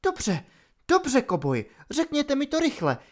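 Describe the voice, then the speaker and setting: A man's voice: very high-pitched, huge pitch swings, voice pushed up, exaggerated voice. A man doing an urgent young elf captain. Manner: urgent, raised.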